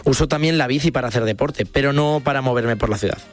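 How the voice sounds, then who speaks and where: A man's voice: medium pitch, quick pace, faint music behind. A young man from Spain, co-hosting a radio show, chatty and laughing often as he reads listener messages. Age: young adult. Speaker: radio co-host.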